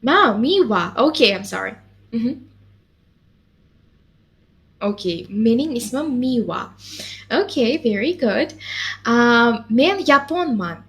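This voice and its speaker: Woman, language tutor, encouraging, fairly high voice, slow. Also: lively intonation, fairly bright tone. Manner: patient, encouraging, lots of mm-hmms and checks. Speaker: language teacher. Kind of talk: one-on-one language lesson.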